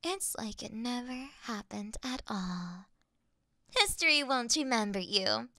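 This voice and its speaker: A woman playing a gloating, scornful female hero in an audio roleplay, mocking and deliberate, sometimes breathy. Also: on the high side, animated, bright, forceful tone, no echo, studio quality, heavily acted. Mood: cold disdain. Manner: mocking, slow, deliberate, breaking into whispers. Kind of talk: dramatic scripted audio roleplay monologue.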